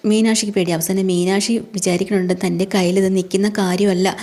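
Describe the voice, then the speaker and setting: A woman's voice: medium pitch, flat delivery, fairly quick, warm tone. A woman casually retelling a television serial episode, chatty and colloquial with frequent tag words and fillers. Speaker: serial recap narrator. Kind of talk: casual spoken story recap.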